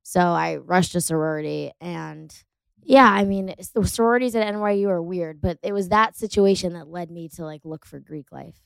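A woman in her twenties with a raspy, hoarse voice, chatting as a comedian guest with dry, self-mocking humor. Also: fairly low pitch, moderate pace, dry recording. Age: 20s. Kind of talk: casual podcast chat.

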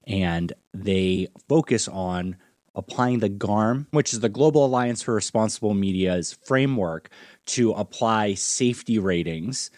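Male podcast host, slightly deep voice, enthusiastic conversational delivery, very dry sound. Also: measured pace, a little mellow, no room sound.

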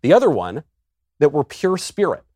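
A man on a roundtable laying out an argument in a slow, measured, lecturing way with a wry edge. His pitch rises and falls a lot, and the studio sound is dry. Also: huge pitch swings, mellow, dry recording. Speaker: roundtable panelist, author. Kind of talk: casual political discussion.

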